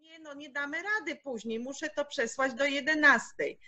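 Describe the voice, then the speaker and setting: A woman's voice: sits high, normal speed, sharp tone. A woman acting a flustered organiser of a home recording in a radio play, fretful and repeating her words. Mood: frantic.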